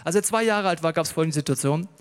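A man's voice: fairly high pitch, quick pace, clear, resonant tone. A man preaching a sermon to a live audience, telling stories and joking with the listeners. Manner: lively storytelling, jokes with the audience. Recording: long reverb of a large hall.

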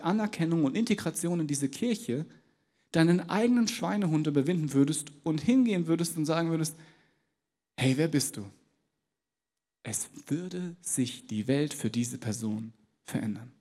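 A man with a somewhat raised pitch gives a sermon in a large church. He speaks conversationally and addresses each listener directly. He slips into little acted-out dialogues to make his points. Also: expressive, moderate pace, a little mellow, long reverb tail. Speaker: preacher.

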